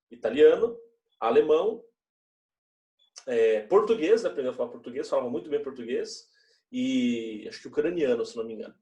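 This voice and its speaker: Young male teacher, chatty and loose with students; medium pitch, recorded in an echoey room with a distant mic. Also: a little mellow. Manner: conversational, chatty, frequent "né?". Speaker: religious education teacher. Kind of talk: classroom talk to students.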